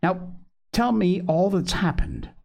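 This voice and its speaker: Casting: male narrator as anxious, bossy young girl, storybook big sister, pitch lifted, urgent delivery. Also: wildly swooping pitch, takes it slowly, creaky, darkish tone, heavily acted. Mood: stern, urgent. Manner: urgent, pleading and stern by turns. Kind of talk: storybook character reading.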